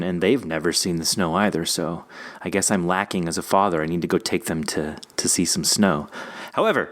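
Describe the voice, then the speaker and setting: Male podcast host, American, middle-aged, deep register, chatty interviewing style. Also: fairly bright tone.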